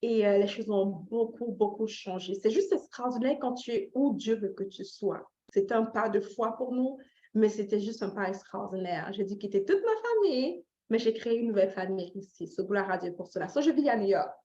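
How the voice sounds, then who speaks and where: A Canadian woman with a mellow, mid-range voice teaches personal finance informally at a moderate pace, with a motivational tone. She repeats phrases for emphasis, asks listeners questions, checks in with them, and drops in short English tags. The live recording has a roomy echo and a slightly dull lo-fi sound.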